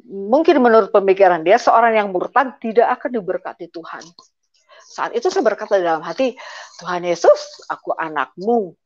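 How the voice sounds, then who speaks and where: A middle-aged woman giving a personal testimony, speaking hesitantly with many filler sounds as she retells painful family events. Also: mid-range voice. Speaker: guest giving a conversion testimony. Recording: dull lo-fi audio.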